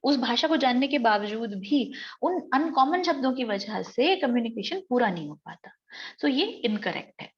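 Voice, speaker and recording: A woman with an Indian English accent delivers an exam-prep lecture, walking through each point step by step and reading sentences out slowly. Her voice is a little high and expressive. The recording sounds slightly dull and lo-fi.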